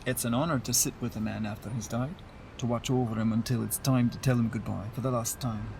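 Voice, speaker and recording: A man plays a devout Irish Catholic mourner in a radio play. His voice is medium in pitch, earnest and reassuring. He talks conversationally, with faint background noise. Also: steady tone, brisk, gravelly, a little mellow, close to an everyday voice, low-quality recording. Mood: reassuring, fond. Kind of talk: audio drama acting.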